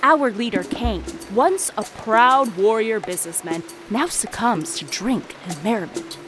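Sly, animated storytelling jewel seller. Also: female voice, fairly high pitch, unhurried. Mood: dramatic storytelling. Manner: conspiratorial, teasing, dramatic storytelling. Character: Marla, sly theatrical jewel seller telling a tale. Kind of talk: audio drama narration addressed to the listener. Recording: music playing behind the voice.

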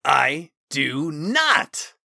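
A man voicing an excitable, easily offended, brash male guardsman in an audiobook, with a dramatic way of talking. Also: fairly high pitch, drawn-out words, creaky, dry recording, studio quality, voice pushed up, heavily acted. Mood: indignant. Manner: exclamatory, dramatic. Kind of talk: audiobook character dialogue.

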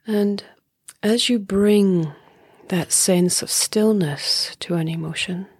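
A woman meditation teacher leading a guided meditation in a soft, breathy voice that often drops near a whisper, calm, soothing and unhurried. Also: mid-range voice, no echo, clean studio sound.

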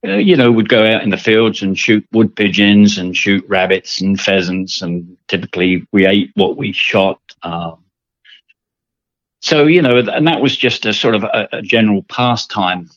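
A man's voice: fairly low pitch, moderate pace, fairly bright tone, no room sound, muffled recording. An older man from England with an English accent, talking through his story as a guest with lots of fillers and repeated words. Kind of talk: casual interview.

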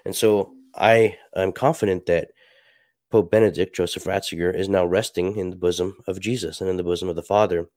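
Low, stuffy-sounding man speaking softly. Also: fairly even intonation, no room sound, studio quality. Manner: soft-spoken, halting with many fillers. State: stuffy, a little sick. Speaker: podcast host. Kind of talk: reflective solo talk and reading aloud.

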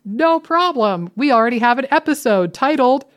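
With a high voice and lively intonation, a woman co-hosting a podcast talks at a moderate pace. She keeps things casual and playful, adding dramatic asides, picked up by a webcam microphone.

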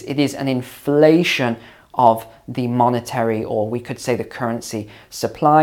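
A man hosting his own finance channel, slightly hoarse after long calls, explaining to camera in a conversational way with ums and repeats. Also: mid-range voice, a little mellow. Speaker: finance video host and mentor.

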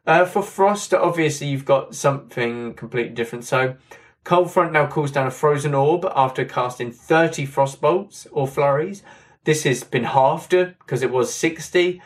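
Man, casual game commentary, slightly hoarse and drying voice, rambling delivery, middle pitch. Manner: rambling, repeats "that kind of thing", fillers. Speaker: game content creator. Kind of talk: casual patch-notes commentary.

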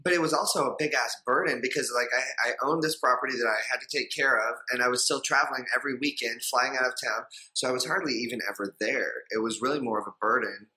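Candid man in his thirties, bright voice. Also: medium pitch, quick pace, hardly any pauses, rough recording. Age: 30s. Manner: candid, swears casually. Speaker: podcast guest, hairstylist. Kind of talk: casual chat.

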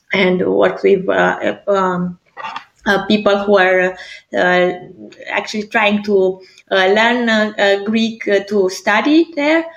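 A woman with a Romanian accent, a career coach answering interview questions with many pauses and fillers. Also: mid-range voice.

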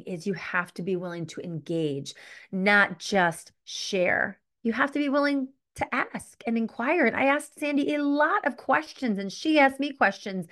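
A middle-aged woman hosting a solo podcast, telling a personal story candidly and reflectively, often stopping to correct herself. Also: fairly high pitch. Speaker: podcast host.

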